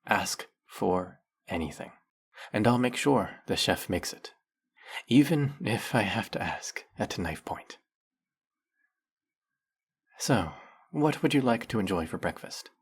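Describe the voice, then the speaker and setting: A man's voice: on the low side, lively intonation, takes it slowly, long pauses, husky, exaggerated voice. A man playing a devoted, flirty demon familiar in a fantasy audio drama, grandiose and reverent in manner. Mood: apologetic, servile. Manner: grandiose, theatrical, reverent, obsequious.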